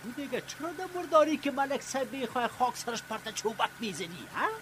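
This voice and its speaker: An exasperated village man in a radio play, with a very high voice that swings up and down. He challenges people bluntly, full of suspicion and mockery, over clear background noise. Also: expressive, a bit bright. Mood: suspicious. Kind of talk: radio drama dialogue.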